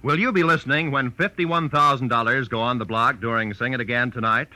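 A man's voice: mid-range voice, fairly quick, over loud music, poor audio. An American man announcing on 1940s network radio in a polished, promotional style. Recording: vintage 1940s radio broadcast.

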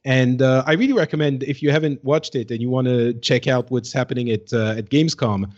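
A man's voice: mid-range voice, a little fast, a little mellow, highs cut off. A man chatting casually as a co-host on a gaming podcast.

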